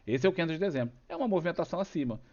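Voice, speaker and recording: The voice is slightly high and darkish, animated and racing along, and the audio is dull. It belongs to a Brazilian man, accented in Brazilian Portuguese, who hosts a stock market channel; he has a cold and a cough and fills his laid-back chart talk with rhetorical questions.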